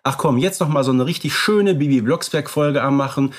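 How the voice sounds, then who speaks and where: Male podcast co-host, calm and measured, with dry irony. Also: medium pitch. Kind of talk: casual podcast discussion.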